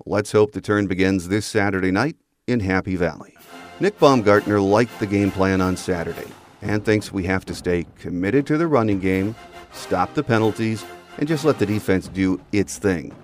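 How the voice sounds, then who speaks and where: A man's voice: lowish voice, normal speed, faint music behind. A middle-aged man hosting a sports podcast, reading an earnest, fan-like opinion piece in a scripted monologue. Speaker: podcast host.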